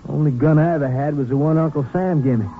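A man acting a higher-voiced, defensive young ex-soldier. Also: quick pace, close to an everyday voice. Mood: indignant. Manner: curt, defensive answers. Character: defensive young ex-soldier farm boy, curt and resentful. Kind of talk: 1950s radio crime drama acting. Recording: tinny, noisy old radio broadcast.

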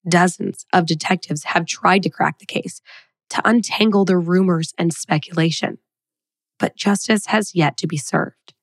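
Sick, hoarse woman with a low voice. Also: a little slow, dry recording, clean studio sound. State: sick and losing her voice. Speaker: podcast co-host. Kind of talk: scripted true crime intro.

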